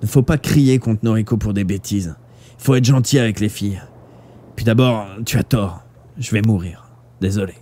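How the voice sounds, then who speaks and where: A dying young man, calm and gentle, his low, faint words come out as breathy, halting whispers, as a man reading aloud puts him on. The voice is dark and mellow, sinking lower as it fades. A storybook deathbed scene. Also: lightly acted. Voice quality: weak breathy murmur.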